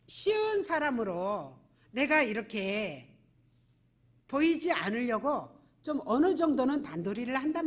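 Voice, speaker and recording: Woman preacher, high voice, very expressive intonation; church sermon with questions to the pews. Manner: animated preaching with rhetorical questions to the congregation. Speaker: pastor. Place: church service.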